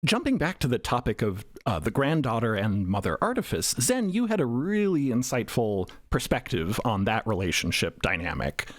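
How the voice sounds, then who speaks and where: A man's voice: medium pitch, moderate pace, few pauses, no echo, studio quality. A man on a podcast panel, telling stories with animation and acting out quoted thoughts in a casual roundtable discussion. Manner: animated storytelling, acts out quotes.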